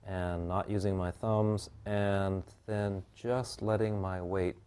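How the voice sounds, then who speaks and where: A man teaching a hands-on bodywork class, explaining each step calmly and guiding his client's breathing slowly. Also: low-pitched, smooth. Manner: calm, measured explanation with slow guiding instructions. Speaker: bodywork instructor.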